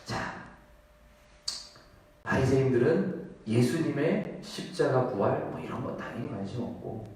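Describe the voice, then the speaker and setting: A male pastor preaches with a lively, swooping pitch, acting out the voices in his story and swinging from loud to soft. He sounds set back from the mic in a very echoey church sanctuary. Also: unhurried, long pauses, far from the mic. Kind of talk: Sunday sermon.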